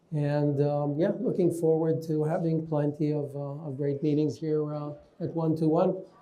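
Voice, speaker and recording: At a moderate pace, a man speaks in a flat monotone with a fairly high pitch, with audible room echo and noticeable background noise. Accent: American. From US, New York. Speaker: mining investor and advisor. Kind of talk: panel discussion.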